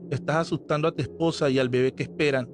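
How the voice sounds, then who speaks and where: A man voicing a calm, cunning older man in a horror story, speaking with soothing firmness. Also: fairly high pitch, fast talker, noisy background, lightly acted.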